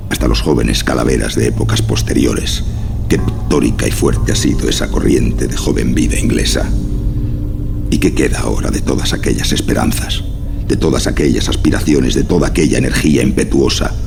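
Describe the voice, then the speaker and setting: A man's voice: very deep voice, vocal fry. A man narrating a scripted horror story over music. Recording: music behind the voice.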